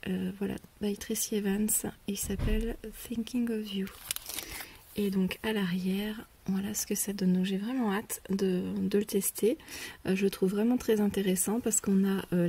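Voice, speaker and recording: Hesitant woman with a mellow voice. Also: mid-range voice, slight background noise. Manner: hesitant, many pauses and fillers; drops to a whisper when showing items. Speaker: scrapbooking vlogger. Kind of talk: casual product haul.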